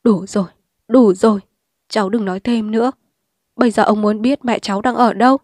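A woman voicing a remorseful old man who speaks softly, slowly and pleadingly. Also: fairly high pitch, fairly even intonation, dry recording, clean studio sound, natural voice. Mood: gentle. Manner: soft, slow and pleading.

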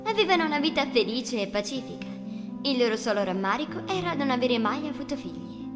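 A woman's voice: sits high, sing-song, brisk. A woman narrating a scripted children's fairy tale as storyteller, with music behind her.

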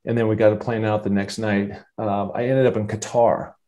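A man in his fifties, a guest on a video-call interview, telling a long story in an animated, rambling way with many restarts. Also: fairly low pitch, fairly quick. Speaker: interview guest, former football player. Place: home office with wood cabinet. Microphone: earbud headset on video call.

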